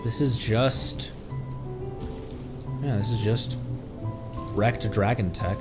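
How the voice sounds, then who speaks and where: A man's voice: on the low side, takes it slowly. A man giving casual livestream commentary on a game, musing aloud and rambling as he plays. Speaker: VTuber game streamer. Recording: music playing behind the voice. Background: game music.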